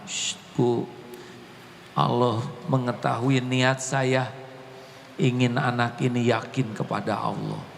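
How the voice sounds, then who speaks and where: A man voicing a devout father in a sermon story who gently but firmly coaxes his son. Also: medium pitch, flat delivery, slow pace, vocal fry, long pauses, in a large hall, slight background noise. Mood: coaxing. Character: devout father, calm, firm in faith.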